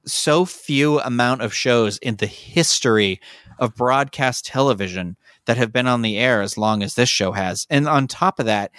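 A man's voice: medium pitch, a bit bright, no room sound, studio quality. A man co-hosting a podcast, opinionated and ranting with false starts in casual chat. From United States. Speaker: podcast co-host.

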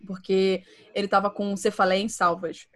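A woman's voice: mid-range voice, moderate pace. A woman with a Brazilian accent, co-hosting a podcast in casual chat and telling stories with lots of laughter. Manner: animated storyteller, laughs often. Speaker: podcast co-host.

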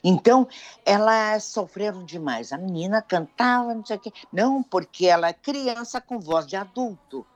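A woman's voice: medium pitch, expressive, moderate pace, highs cut off. A woman co-hosting a radio show, telling stories about a singer with enthusiasm. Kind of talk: casual radio chat.

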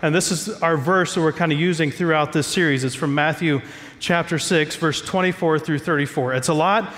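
A man's voice: fairly high pitch, fairly quick, a bit bright, in a large hall. A man preaching a sermon as pastor, stuffy from a cold, talking in a conversational, self-joking way from a church stage.

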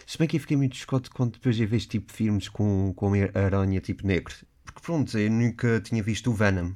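A man from the Azores co-hosting a casual radio chat, quick and playful, joking about himself. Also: lowish voice, warm tone. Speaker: radio co-host.

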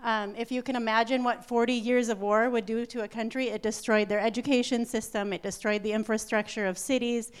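A middle-aged woman, a missionary nurse, explaining background in a steady, informative way during a church presentation. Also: on the high side, fairly quick, hardly any pauses, clean tone.

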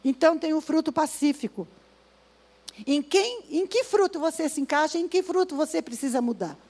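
A woman preaching a sermon at a women's service, reading scripture slowly and with emphasis and acting out complaining voices in asides. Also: high-pitched, lively intonation, darkish tone.

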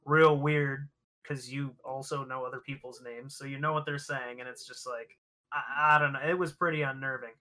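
A man's voice: medium pitch, fairly even intonation, normal speed, pushed and bright, poor audio. A man chatting casually and informally as a co-host discussing a film, swearing freely. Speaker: podcast co-host reviewing a horror film. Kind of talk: casual chat.

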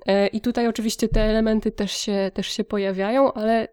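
Woman chatting about books on a podcast, pretty even pitch, close dry sound, kinda hesitant and reflective. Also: a little fast, smooth, no echo. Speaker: book podcast co-host. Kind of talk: conversational book review.

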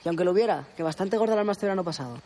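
A rapid-fire, exasperated young man. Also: high-pitched. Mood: bickering. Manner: exasperated, sharp retorts. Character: quick-tongued, defensive young man at a summer camp. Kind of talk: film dialogue.

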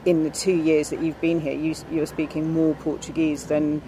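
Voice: medium pitch, level tone, normal speed, noisy background. A middle-aged person being interviewed outdoors in a village, speaking casually and hesitantly with many ums and restarts and light laughter.

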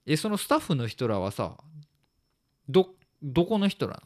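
A man's voice: a little high, big pitch swings, normal speed, a little mellow. A man with a Kansai accent chatting casually, reacting readily with repeated short acknowledgements and questions. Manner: reactive, frequent repeated backchannels. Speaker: conversation partner asking questions. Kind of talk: casual chat.

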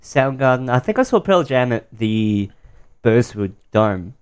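A man's voice: mid-range voice, very animated, unhurried, clean tone. A man chatting casually on a podcast, joking bluntly with his friends. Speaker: podcast guest. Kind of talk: casual chat.

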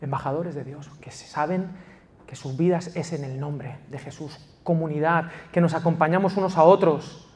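A man from Spain preaching a passionate sermon as pastor of a church, swinging from loud emphasis to quiet intimacy. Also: fairly high pitch, steady tone, normal speed, slight background noise. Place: church in Valencia.

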